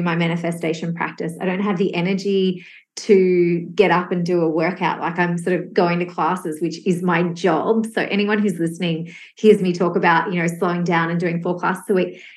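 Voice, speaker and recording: A woman with a fairly low voice speaks at a moderate pace in a monotone, flat delivery with hardly any pauses. Audible room echo surrounds her. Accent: Australian. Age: 40s. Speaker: fitness business founder. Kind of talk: interview conversation.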